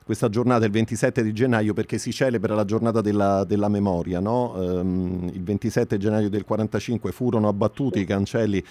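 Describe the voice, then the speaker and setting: Low mellow male radio host. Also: fairly even intonation, dry recording. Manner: measured, hesitant fillers. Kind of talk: radio interview.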